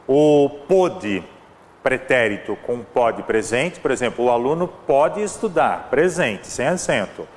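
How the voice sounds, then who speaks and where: In a large hall, a fairly high-pitched man with a Brazilian Portuguese accent walks students through exam-prep grammar examples. His explanations repeat examples often, sprinkled with frequent "né?" checks and "ó".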